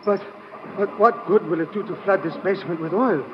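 Anxious, formal foreign sidekick male actor, high-pitched, for an old radio adventure with faint hiss. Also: a little fast, lightly acted. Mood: alarmed. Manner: formal, uncontracted phrasing, excitable. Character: anxious, earnest foreign male ally of the agent. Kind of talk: 1950s radio drama acting. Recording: muffled, noisy vintage radio recording.

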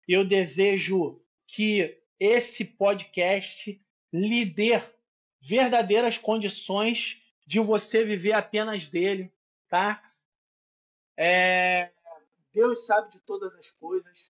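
A man with a carioca accent, a capoeira master chatting warmly as a podcast guest over a video call. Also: sits high, steady tone, takes it slowly, muffled recording. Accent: Rio de Janeiro Portuguese. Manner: warm, effusive, addresses host as friend. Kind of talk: casual podcast interview, singing capoeira songs.

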